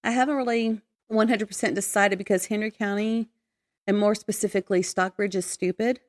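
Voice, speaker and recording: A woman with an American accent speaks in a dry, close recording. Her delivery is casual and matter-of-fact, with an opinionated edge, as a podcast co-host airing grievances to a friend. Her pitch sits in a middle range for a woman. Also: steady tone, fairly quick, dry recording. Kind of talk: casual chat.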